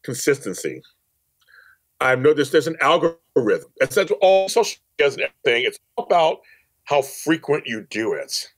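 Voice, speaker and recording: This podcast guest, an audio drama producer and director, has a voice on the high side and speaks at normal speed with very animated delivery. Casual and emphatic, he often repeats phrases and acts out quotes.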